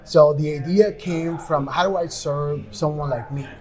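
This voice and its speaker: A man's voice: fairly high pitch, measured pace, darkish tone. A man with a Latino and East Coast American accent whose first language is Spanish, talking earnestly as a podcast guest, with many fillers and restarts. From New York. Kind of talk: casual interview talk.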